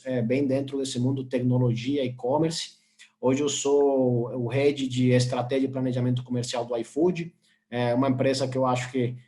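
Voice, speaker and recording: A man speaking at a mid pitch. He is friendly and uses frequent fillers. His voice comes through a video call. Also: darkish tone. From Colombia. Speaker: panelist, commercial strategy executive. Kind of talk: self-introduction on a webinar panel.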